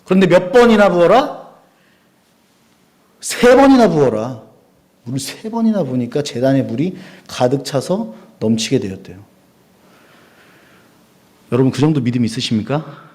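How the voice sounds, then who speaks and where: A man preaching a sermon, telling the story in a lively way, asking the congregation questions and acting out the quotes with sound effects. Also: medium pitch, moderate pace, long pauses.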